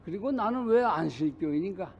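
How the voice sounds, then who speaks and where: An older male pastor preaching a sermon, telling a personal story in a halting way with many pauses. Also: sits high, expressive, breathy edge. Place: church sanctuary.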